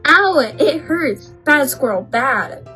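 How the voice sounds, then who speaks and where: A woman playing a snooty, short-tempered schoolgirl bully with a bossy, mocking manner in an animated roleplay story. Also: high-pitched, moderate pace, soft background music, natural voice. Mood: angry.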